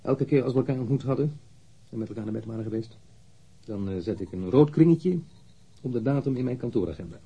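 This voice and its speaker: An actor playing a blunt, candid man in his thirties, a witness answering police questions matter-of-factly in a husky voice in a radio drama. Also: mid-range voice, expressive, fast, warm tone, dull audio. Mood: matter-of-fact, precise. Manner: matter-of-fact, precise, blunt. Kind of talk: radio drama interrogation acting.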